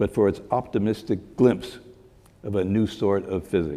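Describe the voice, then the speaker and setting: A man with a fairly low, dark, mellow voice speaks at a moderate pace. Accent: American. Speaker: historian of science. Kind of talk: lecture. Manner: formal.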